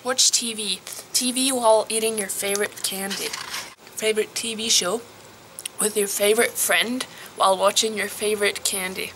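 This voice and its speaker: A teenage girl from Norway, giving casual advice in a vlog recorded outdoors. She talks softly and hesitantly, sometimes dropping to a whisper. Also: mid-range voice, fairly even intonation, normal speed, noisy background. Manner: soft, hesitant, drops to a whisper at times. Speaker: vlogger.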